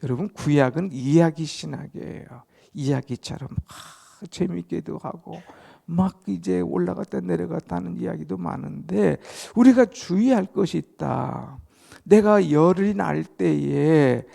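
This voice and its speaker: A man's voice: high-pitched, creaky, mellow, husky. A male pastor preaching a dawn prayer sermon, reading verses aloud and explaining them with dramatic emphasis.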